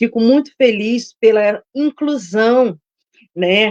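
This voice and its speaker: A woman's dark, mellow tone with ordinary pitch variation, in a dry, close sound with no echo. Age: middle-aged. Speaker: interviewer. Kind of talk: interview.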